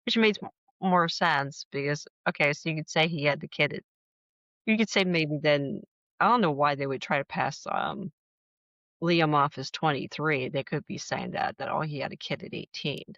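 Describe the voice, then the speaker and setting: A woman's voice: low voice, normal speed, a bit bright, no echo. A woman hosting a podcast, casually recapping a soap opera in a frank, chatty way with plenty of fillers. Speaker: podcast host. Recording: dull lo-fi sound.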